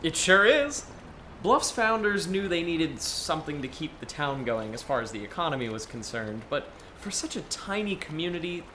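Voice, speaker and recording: A man's voice: on the high side, pushed and bright, a little hiss or hum. A man playing a friendly, eager young Yeti tour guide in an audio drama, chatty and earnest as he explains things.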